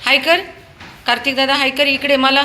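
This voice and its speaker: A woman's voice: high-pitched, flat delivery, moderate pace, sharp tone, a little hiss or hum. A woman chatting casually on her terrace as she films her dog and a small child, coaxing them along in a sing-song baby-talk voice. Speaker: pet owner filming her dog and a child. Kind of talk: casual home video chat. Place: home terrace outdoors.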